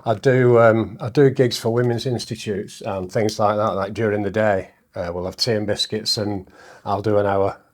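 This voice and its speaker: With a fairly low pitch, a steady tone and a moderate pace, the middle-aged man speaks in his northern English accent. As a poet and comedian guesting on an interview, he chats casually, runs himself down a bit, and recites poetry.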